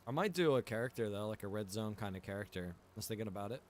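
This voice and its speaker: A man's voice: on the low side, animated, fast. A laid-back man chatting to viewers in rambling, slangy game livestream commentary. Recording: clearly noisy, background ambience.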